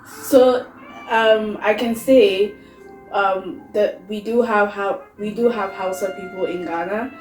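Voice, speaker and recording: Canadian woman, 20s, vlogger; slow, thoughtful delivery, lots of pauses. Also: medium pitch, steady tone, a little mellow, reverberant, faint music behind, rough recording. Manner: unhurried, thoughtful, with frequent pauses and fillers. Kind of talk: casual chat.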